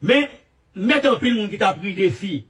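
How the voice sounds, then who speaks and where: High-voiced man, distant, rambling. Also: lively intonation, fairly bright tone. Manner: repetitive, halting, restarts often. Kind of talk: rambling spoken statement.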